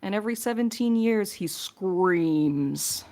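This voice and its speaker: A woman's voice: medium pitch, expressive, slow, darkish tone. A woman in a casual podcast Q&A, talking playfully as one of the crew fielding questions.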